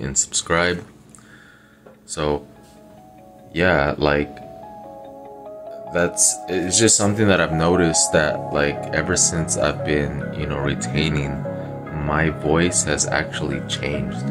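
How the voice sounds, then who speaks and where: Young man in his twenties, very low voice, unhurried delivery; casual vlogger rambling with slang into a phone camera in a small bedroom, loud music underneath. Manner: casual, rambling, peppered with "you know" and slang. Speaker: channel host. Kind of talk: casual self-improvement vlog. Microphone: phone camera close up.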